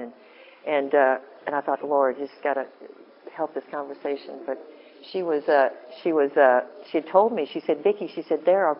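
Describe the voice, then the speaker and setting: A woman with a deep voice giving an informal, earnest talk to a women's group, often breaking off and restarting. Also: muffled recording, slight background noise. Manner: rambling, self-interrupting, earnest. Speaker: women's ministry speaker.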